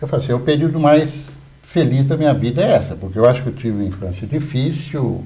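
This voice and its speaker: A man talks at a very fast pace with lively intonation, his medium-pitched voice dark, mellow and somewhat breathy. There is audible room echo. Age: 60s. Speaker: former political prisoner, artist. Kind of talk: interview testimony.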